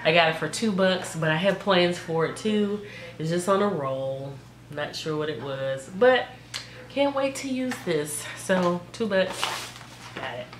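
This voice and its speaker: A woman chats casually through her shopping haul, stuffed up from a cold. She rattles off prices with excitement and trails off into fillers. The sound is roomy and echoey, with a faint hiss behind her. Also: on the low side, a little slow. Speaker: vlogger showing a craft store haul. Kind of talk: casual haul video chat. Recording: echoey room with faint noise.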